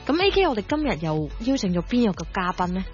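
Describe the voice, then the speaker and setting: A woman's voice: mid-range voice, big pitch swings, fast, dull audio, faint music behind. A woman with a Hong Kong Cantonese accent co-hosting and asking questions in a conversational style. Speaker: radio co-host. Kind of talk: conversational interviewing.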